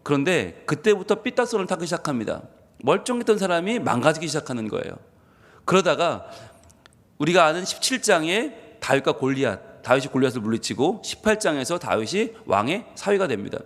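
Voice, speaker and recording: A man's voice: on the high side, big pitch swings, a little fast. A man preaching an early-morning sermon as pastor, asking his congregation questions as he goes. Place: church sanctuary. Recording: long church reverb.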